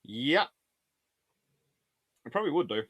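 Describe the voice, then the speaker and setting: Guy doing a live history q&a, kinda rambly, thinking out loud, very dry sound. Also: medium pitch, sing-song, a little slow, husky, dry recording. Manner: rambling, discursive, thinking aloud. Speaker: host, history lecturer. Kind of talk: live stream chat, answering viewer questions.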